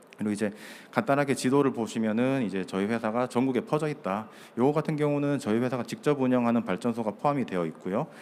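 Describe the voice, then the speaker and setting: Words come out at a very fast pace. The pitch shows ordinary variation. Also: man, medium pitch for a man. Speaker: company recruiter presenting at job fair. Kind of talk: presentation to audience. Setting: in-person job fair hall. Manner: formal, polite.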